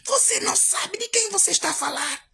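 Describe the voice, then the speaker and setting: A woman voicing a female church elder who scolds someone in a shrill, commanding way. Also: lively intonation, a little fast, gravelly, bright, forceful tone, slight background noise, heavily acted. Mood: furious. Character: church elder woman shouting a furious rebuke.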